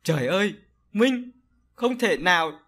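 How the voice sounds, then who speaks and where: A man's voice: high voice, lively intonation, unhurried, fairly bright tone, pitched above the performer's own voice, heavily acted. A man voicing a guilt-ridden, frightened man who pleads and panics in an audio story. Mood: desperate. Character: guilty, terrified middle-aged man.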